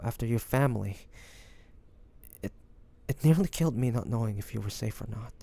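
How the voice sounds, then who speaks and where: Slow, gravelly-edged devoted young man, acted. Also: mid-range voice, darkish tone. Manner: halting, emotional, pleading, with pauses and sighs. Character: devoted, anguished young man in fantasy romance, tender and protective. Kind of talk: intimate romantic roleplay audio drama acting.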